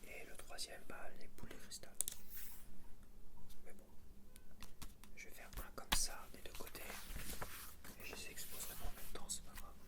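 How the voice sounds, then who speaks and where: A man whispers throughout, his voice soft, breathy and entirely unvoiced. He talks in a casual ASMR style, informally musing aloud as he goes. The delivery is unscripted and chatty. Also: moderate pace, pauses often. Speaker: ASMR video creator.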